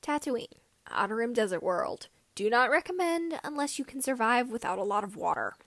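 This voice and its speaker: Seventeen-year-old male mechanic female reader: earnest, excitable, chatty, high voice, dry audiobook sound. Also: normal speed, no room sound.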